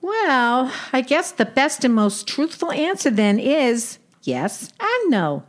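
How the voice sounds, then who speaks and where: Woman voicing a wry older sister, sarcastic, bright high voice, lively. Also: slow pace, full character voice. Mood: wry teasing. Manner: sarcastic, teasing. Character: wisecracking older Brooklyn woman, teasing sister. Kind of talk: comic audio drama.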